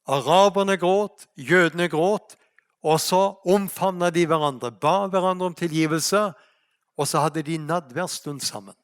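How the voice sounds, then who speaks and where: Norwegian preacher, man, higher voice. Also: clean tone. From Norway. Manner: asks the audience rhetorical questions; storytelling, slows for emphasis. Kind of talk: sermon. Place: mission hall.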